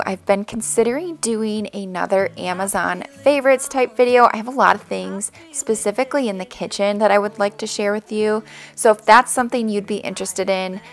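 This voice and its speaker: An upbeat woman in her thirties talks through her kitchen chores in a casual voice-over, full of friendly asides. Soft background music plays faintly beneath her. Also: mid-range voice. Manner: chatty and upbeat, easy asides. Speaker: vlogger, stay-at-home mom.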